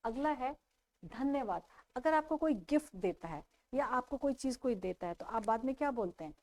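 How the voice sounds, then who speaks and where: Woman, teacher, slightly high voice, children's lesson, slow repetition of questions and answers. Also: expressive, darkish tone. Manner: repeats questions and answers slowly for young children. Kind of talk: explaining a children's textbook lesson.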